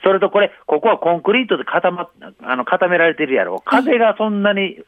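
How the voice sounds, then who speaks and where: Man, Kansai accent, lively up-and-down pitch, tinny phone-line sound, dry, casual chatty radio call-in. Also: brisk, no echo. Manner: chatty, laughing often. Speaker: regular radio guest. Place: office.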